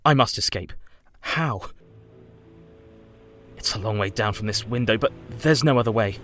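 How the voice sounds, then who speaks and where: A man's voice: on the low side, measured pace, fairly bright tone. An actor playing a young Englishman trapped in a castle, speaking urgently and anxiously. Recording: reverberant hall with music.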